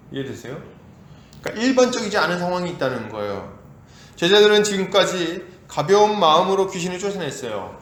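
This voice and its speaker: A male pastor preaching a sermon in a lively, conversational way, acting out quotes as he goes. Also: high-pitched, echoey room. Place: church sanctuary.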